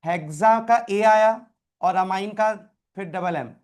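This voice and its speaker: A man's voice: high voice, slow, darkish tone. A man teaching a chemistry class, quizzing students by name and repeating key terms. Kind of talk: live classroom tutoring.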